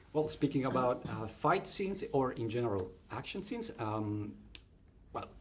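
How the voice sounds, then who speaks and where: A man with an Italian accent at medium pitch and a moderate pace, with very wide pitch swings. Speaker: film interviewer. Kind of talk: press interview. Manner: halting.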